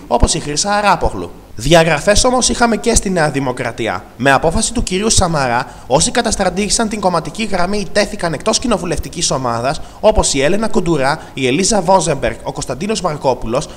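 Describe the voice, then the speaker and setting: A man reading a scripted television news report in an even, measured way. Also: sits high, long reverb tail. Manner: even, measured reading of vote counts and names.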